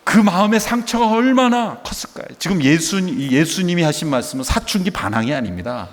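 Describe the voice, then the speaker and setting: A man's voice: high voice, expressive, fairly quick. A middle-aged male pastor preaching a sermon with rhetorical questions and acted-out dialogue. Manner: emotive preaching, asks rhetorical questions, acts out quoted dialogue. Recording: long hall reverb.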